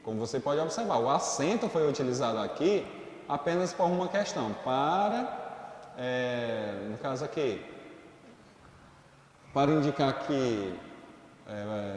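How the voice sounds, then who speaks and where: A man's voice: mid-range voice, a little mellow, very echoey, big-room sound, a little hiss or hum. A man teaching a school grammar lesson in Brazilian Portuguese, explaining rules step by step and often checking in with the class. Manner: explains step by step, checks in with "tudo bem, gente?".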